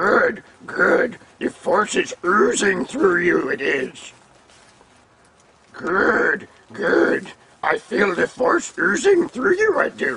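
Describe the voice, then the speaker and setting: In a cartoonish character voice, the speaker goes at a very slow pace with long, frequent pauses. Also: man, extremely high pitch for a man. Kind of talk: comic parody impression. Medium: puppet show. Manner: inverted word order, sage-like, pleased.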